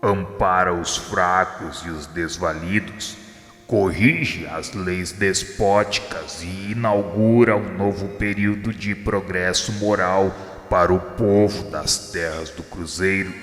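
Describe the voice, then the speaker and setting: Jesus, a deep slow solemn voice, voiced by a man. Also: steady tone. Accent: Brazilian Portuguese. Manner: grave, measured solemn pronouncement. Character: Jesus, solemn divine man giving a mission. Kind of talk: radio drama acting. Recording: heavy reverb with soft music behind.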